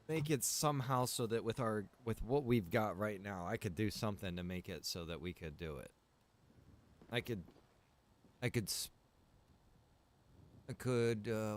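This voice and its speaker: A man streaming a game, chatting casually and rambling as he thinks aloud. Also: medium pitch. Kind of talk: casual livestream gameplay chat.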